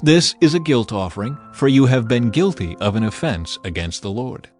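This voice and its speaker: A man narrating scripture as a dramatized audio reading, with a solemn, measured and emphatic manner. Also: medium pitch, expressive, darkish tone. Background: background music.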